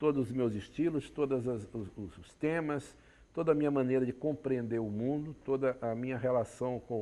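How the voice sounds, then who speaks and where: This man talks at a moderate pace in a medium pitch, with a dark, mellow tone and ordinary pitch variation. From Brazil, São Luís, Maranhão. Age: 60s. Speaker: poet. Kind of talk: interview. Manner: hesitant, with frequent repetitions.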